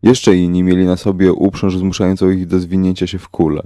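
A man narrating a horror story in a slow, measured, grave way. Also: low voice, completely flat delivery, dark tone, dry recording. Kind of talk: scripted horror audiobook narration.

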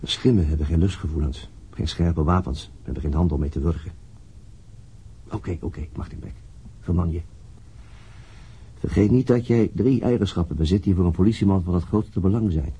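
Weary police detective, deep voice, dark tone, halting and introspective, radio drama. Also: male voice, husky, rough recording. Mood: brooding. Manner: halting, musing, muttering to himself. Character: brooding, dogged male police detective, weary and self-questioning.

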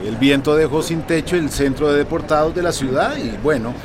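Man playing a resigned town worker, middle pitch, reluctant tone, hissy background, radio drama. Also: brisk, close to an everyday voice. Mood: weary. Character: weary put-upon male town worker.

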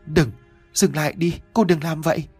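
A man's voice: mid-range voice, moderate pace, breathy edge, dry recording, faint music behind, natural voice. A man voicing a frightened middle-aged wife who pleads and stammers tearfully, in a raised voice. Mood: pleading.

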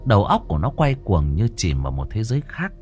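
A man narrating a ghost story in a dramatic, expressive way. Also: on the low side, quick pace, a little hiss or hum.

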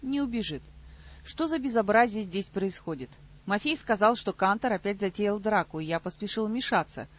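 A composed king who speaks quietly and evenly, as a woman reads him, with a slightly husky tone on a dull, lo-fi audiobook recording. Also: mid-range voice, lightly acted. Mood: calm. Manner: calm, measured, commanding. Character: calm, quiet-spoken king. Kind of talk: audiobook character voice.

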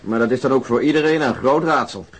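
A fast, animated male policeman. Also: medium pitch, slightly rough. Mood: puzzled, intent. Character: animated male police colleague puzzling over a case. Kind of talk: radio drama dialogue.

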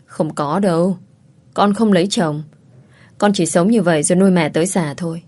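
A woman voicing a young female student, a devoted, tearful daughter who speaks softly and hesitantly. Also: fairly low pitch, moderate pace, close to an everyday voice. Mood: tender.

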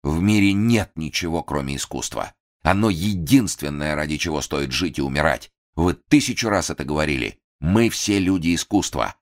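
A man's voice: very deep voice, lively intonation, normal speed. A man voicing a grandiose, mad theatre assistant who declaims in a pompous, menacing way in an audiobook. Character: grandiose madman stage assistant with pistol.

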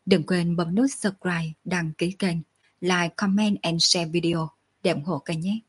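A woman hosting an audiobook channel, reading a serialized novel aloud with steady narration. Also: fairly low pitch, a little slow, slightly rough.

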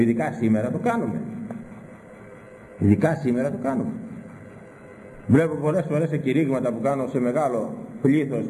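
A man's voice: mid-range voice, mellow, in a large hall, rough recording. A man preaching a stern, scolding sermon full of rhetorical questions. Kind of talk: sermon with Bible interpretation.

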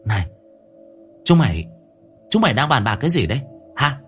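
A man's voice: medium pitch, big pitch swings, brisk, soft background music, pitched above the performer's own voice, natural voice. A man voicing a furious, bossy middle-aged mother who screeches threats and scoldings.

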